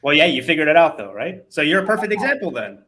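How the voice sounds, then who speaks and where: A man's voice: on the high side, big pitch swings, quick pace, bright, forceful tone. A man hosting a podcast, talking through his views in a casual, analytical way with lots of fillers and some teasing. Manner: analytical, ribbing, uses many fillers. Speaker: podcast host. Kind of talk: casual chat.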